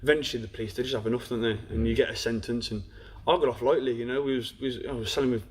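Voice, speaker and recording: Slightly rough-voiced, a young man with a Black Country accent tells his personal story frankly as a podcast guest. He races through it at a medium pitch with fairly even intonation, peppering his speech with "you know."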